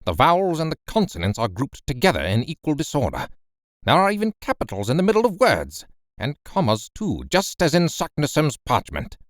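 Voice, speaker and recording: Male narrator as a commanding elderly professor, impatient, lively pitch, storybook reading. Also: brisk, no echo, clean studio sound. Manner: brusque, commanding. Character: stern, excitable old male professor.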